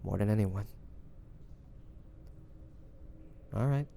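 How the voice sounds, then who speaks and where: A man playing a devoted young lover in an intimate romantic fantasy audio roleplay, speaking softly and haltingly with great affection. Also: on the low side, creaky, a little hiss or hum. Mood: caring, reassuring. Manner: soft, hesitant, affectionate, halting phrases.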